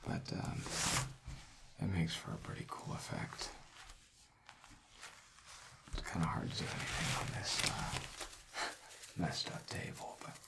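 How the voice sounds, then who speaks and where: A man doing a soft-spoken ASMR roleplay as a casino dealer, rambling in a hushed, unhurried way that drifts into a whisper. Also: sits low, animated, creaky, very noisy.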